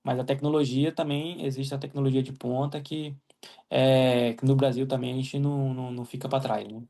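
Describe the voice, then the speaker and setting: A young Brazilian man from Mato Grosso, an agronomist living in Ireland, is a guest answering interview questions casually. His medium-pitched, warm voice is delivered flatly and a little fast, in Brazilian Portuguese, full of fillers, "né?" tags and restarts.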